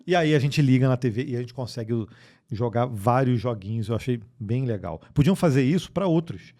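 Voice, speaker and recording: A Brazilian man co-hosts a tech show in easy, casual conversation. His voice is warm and mellow. He talks loosely, with fillers and restarts, as he reads out viewer comments. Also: medium pitch, a little fast. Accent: Brazilian Portuguese. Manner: relaxed and chatty, with frequent fillers and restarts. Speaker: co-host of a tech news show. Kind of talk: casual chat, reading viewer comments aloud.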